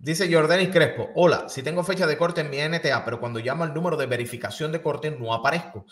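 Thirtysomething guy host on a studio mic, reads viewer questions out, slightly high voice. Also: quick pace, a bit bright. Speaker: news show host. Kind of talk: reading viewer questions and interviewing. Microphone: studio microphone on boom.

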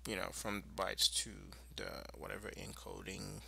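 A man presenting an informal screencast tutorial, explaining in a halting, improvised way. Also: low-pitched, monotone, vocal fry, bright, forceful tone, breathy edge.

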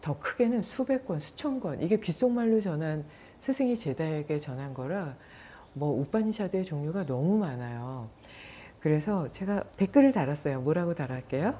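A middle-aged woman, a yoga and meditation teacher, talking casually and calmly, telling stories and acting out what people said. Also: low-pitched, normal speed, slight background noise. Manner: anecdotal, calm, with acted-out quotes. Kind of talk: casual talk to viewers.

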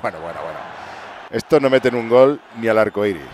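A man commenting on his own football video game match, excitable, playing mock sports commentator and breaking into bursts of cheering, recorded at home. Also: mid-range voice, fairly quick, slight background noise. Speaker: gaming channel host. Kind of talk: excited let's-play commentary. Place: home room at night.

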